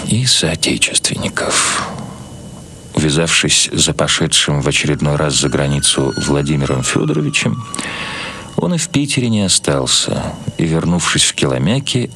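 A man's voice: a bass voice, vocal fry, fairly bright tone. A man reading literary prose aloud as a scripted narration. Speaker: narrator, reader.

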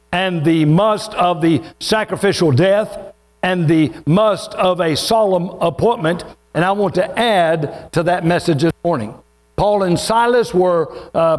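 A man preaches to his congregation in a folksy, joking way. His voice sits high for a man, and he stretches out the scripture readings. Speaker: pastor. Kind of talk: sermon.

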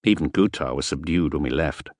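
Deep-voiced man narrating a novel. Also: brisk, darkish tone, dry recording, studio quality. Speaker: audiobook narrator. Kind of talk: scripted first-person novel narration.

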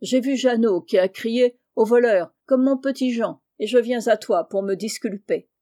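A woman reading the part of a jovial, teasing gentleman in a storybook, in a good-humoured way. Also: a little high, normal speed, natural voice. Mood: amused. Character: jovial prankish gentleman, adult man.

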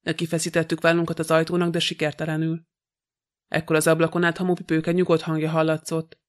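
A man reading a novel aloud as a narrator, in a very flat, even delivery. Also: a little high. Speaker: audiobook narrator. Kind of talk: scripted narration.

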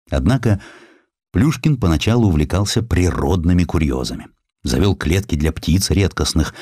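Deep-voiced, animated male storyteller. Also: dry recording, studio quality. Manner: theatrical, expressive storytelling. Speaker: audiobook narrator. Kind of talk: dramatized scripted narration of a historical sketch.

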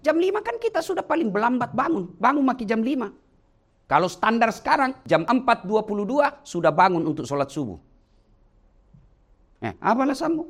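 A middle-aged man preaching a joking, animated sermon to office workers and addressing them directly. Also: very high voice. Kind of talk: lively workplace sermon.

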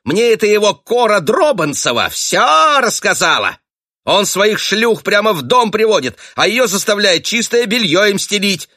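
A man voicing a shrill, furious wife who screeches accusations at her husband in an audiobook. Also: sing-song, normal speed, pushed and bright, no echo, clean studio sound, full character voice. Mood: bitter, accusing. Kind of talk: audiobook character voice.

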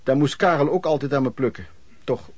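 A man's voice: medium pitch, fairly quick, darkish tone, breathy edge, no echo, natural voice. An actor playing a former street peddler who frankly recounts his youth as radio play narration, in a conversational way. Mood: reflective. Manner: conversational storytelling.

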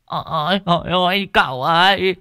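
A man voicing a melodramatic old male servant who laments in a shrill, sobbing way. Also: normal speed, pushed and bright, smooth, no echo, studio quality. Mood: wailing.

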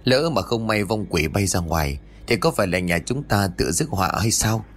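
A man's voice: fairly low pitch, animated, a little fast, slight background noise. Man doing a frightened young servant. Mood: scared. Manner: fearful, hesitant.

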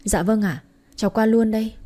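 A woman's voice: fairly high pitch, steady tone, a little fast, warm tone, lightly acted. A woman voicing a cold, greedy young husband who snaps harshly and fawns over his rich boss. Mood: servile. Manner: curt and harsh, turning servile to his boss.

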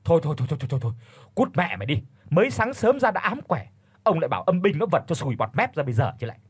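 A man's voice: fairly high pitch, sing-song, racing, slightly rough, dry recording, exaggerated voice. A man doing a blustering cowardly shaman. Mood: snapping. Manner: stammering bluster.

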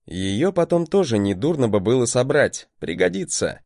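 A man's voice: mid-range voice, sing-song, normal speed, a little mellow, no room sound, studio quality. A man giving a wry, conversational first-person audiobook narration.

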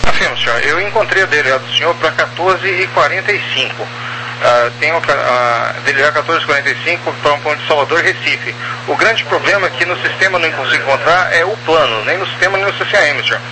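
A man with a Brazilian accent working as an air traffic controller, giving procedural clearances over two-way radio. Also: on the high side, quick pace. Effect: aviation two-way radio. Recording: noisy radio channel with hum.

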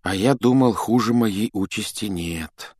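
A man voicing a polite, anxious teenage boy wizard in an audiobook, speaking in hushed, urgent, apologetic tones. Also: lowish voice, a little slow, no room sound, clean studio sound. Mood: earnest. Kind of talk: audiobook character voice.

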